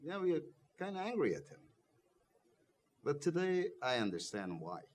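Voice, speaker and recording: Appearing on TV, a young man born in Guyana who coordinates for a political party gives earnest interview answers, repeating "you know" and becoming passionate. He speaks at normal speed in a sing-song voice on the high side.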